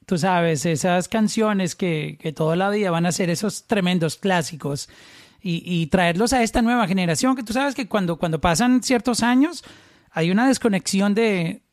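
A man's voice: sits high, moderate pace, no room sound, clean studio sound. A man from Colombia with a paisa accent, interviewing in a casual, chatty way and often repeating words as he starts a phrase.

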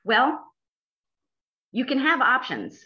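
A woman's voice: high voice, wildly swooping pitch, takes it slowly, highs cut off. A woman attorney hosting a casual podcast, quizzing her co-host with dry, blunt teasing.

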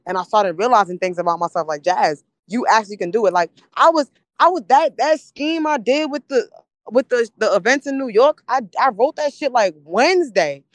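A woman's voice: a little high, animated, moderate pace, no room sound. A woman battle rapper, a podcast guest, talking in casual chat and repeating phrases to drive her points home.

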